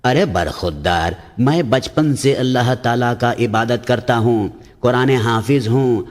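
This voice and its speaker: A man's voice: medium pitch, a little slow, lightly acted. A man voicing a stubborn, pious old man on a rooftop who scolds people. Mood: indignant. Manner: scolding, indignant. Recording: long hall reverb.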